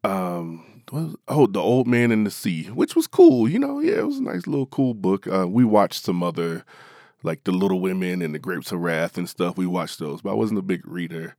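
A man from Appalachia speaks in a low voice as an author being interviewed. He talks in an animated, chatty way, full of fillers and quick laughs. The recording sounds dry and close. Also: no echo. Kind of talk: interview guest.

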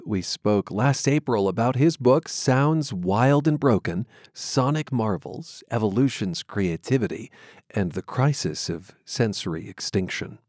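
A man hosts a public radio program, introducing guests and segments in a friendly, upbeat way with light jokes. His voice is low and recorded close and dry, with no room echo. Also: a little mellow. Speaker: radio host. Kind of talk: public radio interview and show hosting.

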